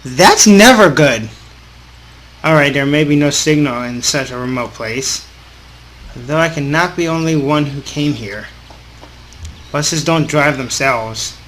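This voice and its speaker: Higher-voiced man reading a game aloud, noisy recording. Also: fairly bright tone. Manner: informal, halting read-aloud with off-script remarks. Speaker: gaming video host. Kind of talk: reading a visual novel aloud with casual asides. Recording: clearly audible background noise.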